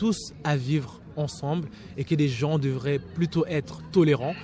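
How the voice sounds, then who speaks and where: Speaking at a fairly slow pace, a man with a Cameroonian accent has a fairly high pitch. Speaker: student. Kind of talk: radio interview. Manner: hesitant, many fillers.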